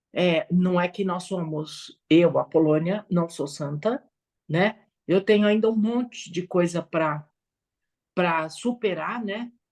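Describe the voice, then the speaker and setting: A woman's fairly low voice at a very slow pace, with ordinary pitch variation and a quiet background. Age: 60s. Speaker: spiritist study group leader. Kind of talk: casual religious discussion; guided meditation. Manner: halting, hesitant.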